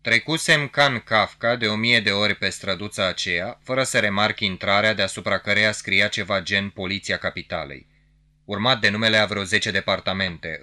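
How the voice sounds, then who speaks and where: Male audiobook narrator, lowish, bright tone, dry and measured. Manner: measured, wry literary narration. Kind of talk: audiobook reading of a novel.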